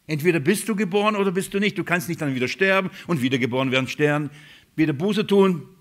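A male preacher delivers a sermon in a slightly raised voice. He repeats his key words, throws rhetorical questions at the congregation and swings between loud emphasis and hushed, lowered lines. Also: animated, fast talker.

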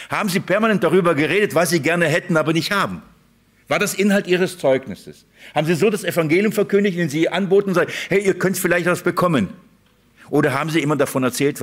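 A man preaching a sermon, pressing his points with rhetorical questions to the congregation. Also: a little high.

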